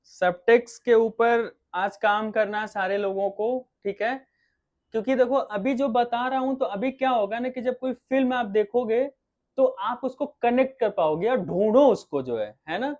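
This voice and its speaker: A man's voice: extremely high pitch, normal speed, dull audio. Man teaching an acting class casually. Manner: relaxed, repetitive explaining with many fillers. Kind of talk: online class with students.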